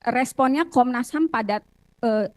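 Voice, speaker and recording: An Indonesian woman giving courtroom testimony as a witness and lawyer, recounting details haltingly with repeated phrases. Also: a little high, no echo. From Cirebon, Indonesia.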